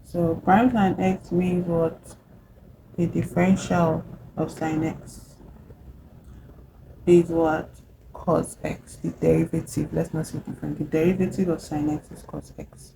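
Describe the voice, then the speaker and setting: A woman with a Nigerian accent giving a casual whiteboard maths lesson. She is chatty and encouraging, checks in with "yeah?" and "okay?", and slows down to spell out formulas as she writes. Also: low voice, level tone, gravelly, noisy background. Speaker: math tutor vlogger.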